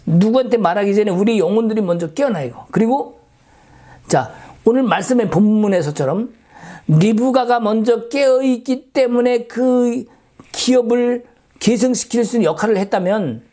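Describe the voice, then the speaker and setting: Mellow-voiced middle-aged male pastor preaching. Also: sits high, moderate pace. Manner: conversational preaching with rhetorical questions. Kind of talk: sermon. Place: church in the Silicon Valley area.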